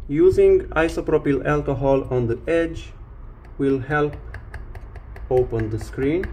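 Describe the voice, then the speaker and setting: A man presenting a hands-on repair tutorial, explaining step by step in short, halting phrases. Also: on the high side, darkish tone. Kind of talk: hands-on instructional demonstration.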